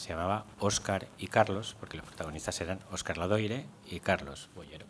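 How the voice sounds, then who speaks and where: A fairly low-pitched man speaks with ordinary pitch variation at a moderate pace. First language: Spanish (speaking French). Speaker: film critic, event moderator. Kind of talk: live talk introduction. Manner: halting.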